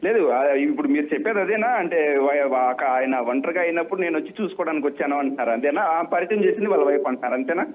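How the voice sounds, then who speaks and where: Fast-talking male caller on a tinny phone line. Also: a little high. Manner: hesitant, halting, repeats himself.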